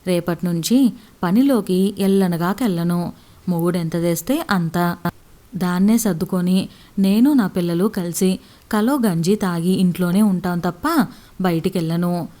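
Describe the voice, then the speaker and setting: A woman's voice: on the low side, unhurried, warm tone, lightly acted. A woman voicing a proud, defiant village wife who speaks firmly and curtly. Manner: firm, curt, decisive.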